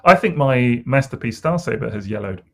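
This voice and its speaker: A man with a gravelly, creaky voice talks in a relaxed podcast chat. He rambles and hesitates, doubling back with fillers as he thinks aloud. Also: mid-range voice, fairly quick. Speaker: podcast co-host. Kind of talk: casual chat.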